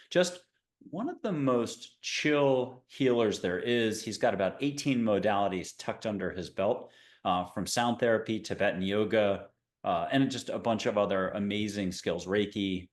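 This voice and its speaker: A man with a fairly low voice hosting an interview show on a video call. He keeps things chatty and upbeat, introducing his guest, throwing in quick asides, and steering the conversation along. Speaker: podcast host.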